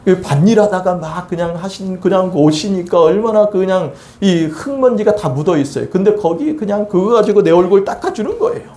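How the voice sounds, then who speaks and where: A middle-aged man preaching a sermon as pastor, telling stories and swinging between soft, slow lines and emphatic ones. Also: sits high. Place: church sanctuary. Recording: echoey church sanctuary.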